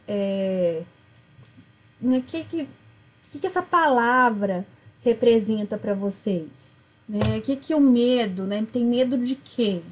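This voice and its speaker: Husky-voiced woman teaching grammar. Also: on the high side, darkish tone, low-quality recording. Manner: patient explaining, frequent tag questions "né?" and "tá?"; self-corrects mid-explanation. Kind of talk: recorded video lesson walking through exercises.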